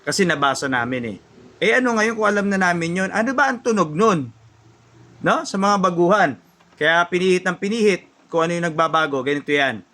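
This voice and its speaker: Chatty Filipino-English tutorial man, bright voice. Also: high voice, lively intonation, brisk. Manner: chatty, keeps asking "no?", acts out beginners' thoughts; jokes and laughs at himself. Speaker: audio mixer tutorial host. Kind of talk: casual spoken lesson.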